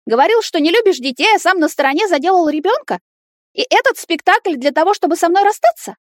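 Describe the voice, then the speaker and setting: A woman voicing a shrill, indignant young woman who squeals and fires off demanding questions. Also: big pitch swings, fairly quick, no echo, clean studio sound. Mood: hysterical.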